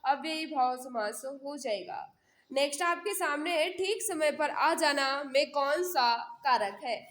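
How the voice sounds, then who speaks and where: A woman with a notably high voice leads a live exam prep lesson. She reads questions and answers aloud, repeats key points, and keeps prompting her students to respond. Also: measured pace, a bit bright, reverberant. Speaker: exam prep teacher hosting a live class.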